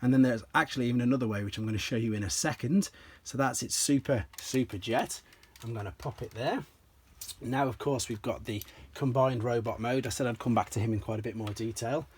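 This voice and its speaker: A slightly hoarse man, an enthusiastic toy collector, casually explaining and demonstrating pieces from his collection step by step, with frequent ums. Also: medium pitch, brisk, a little hiss or hum. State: slightly hoarse, clears throat.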